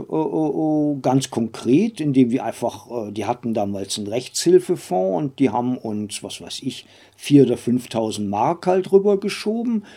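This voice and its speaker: An older man recounting memories in an interview, speaking haltingly with many drawn-out hesitations and little tag questions. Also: fairly high pitch, vocal fry, dark tone. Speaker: interview guest, former comics editor and publisher.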